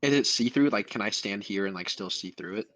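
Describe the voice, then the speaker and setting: A man's voice: lowish voice, a little fast, a bit bright, no echo, low-quality recording. A young man playing a tabletop game, hesitantly thinking through his options and the rules aloud. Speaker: player. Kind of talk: casual tabletop play.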